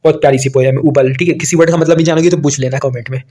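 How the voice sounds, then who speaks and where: Indian male online tutor, young, a bit high, chatty, slow when reading English aloud. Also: steady tone, mellow. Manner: talks to children, repeats "theek hai" often; reads English questions slowly, word by word. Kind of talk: exam solution walkthrough.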